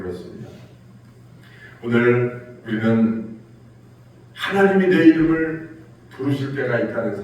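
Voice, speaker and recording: A man's voice: on the high side, a little mellow, highs cut off, slight background noise. A male pastor giving a Sunday sermon in a church sanctuary, telling stories and acting out quotes with rising and falling emphasis. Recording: echoey church hall, distant mic.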